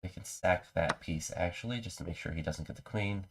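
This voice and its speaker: Congested from a mild cold, this man narrates his chess moves on a live stream in an easygoing, low-key manner. His delivery is brisk and creaky, with noise in the background.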